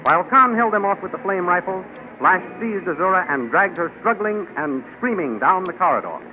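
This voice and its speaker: Man, radio announcer, fairly high, emphatic, lo-fi old recording. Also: animated, moderate pace, bright, forceful tone, soft background music. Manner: crisp, emphatic, declamatory. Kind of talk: 1930s radio narration.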